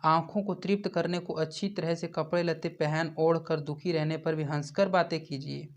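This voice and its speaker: A man reading aloud the lines of an old woman who sells yogurt and grieves over her son, in his own even voice. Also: on the high side, close to an everyday voice. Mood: advising. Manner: reads her words aloud in an even, unhurried teacher's voice.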